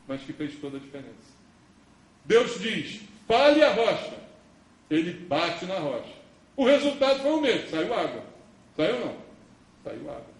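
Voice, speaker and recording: Animated Brazilian pastor preaching in an echoey church. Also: male voice, high voice. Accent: Brazilian Portuguese. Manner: animated preaching with rhetorical questions. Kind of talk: sermon. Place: church sanctuary. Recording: echoey church recording from a distance.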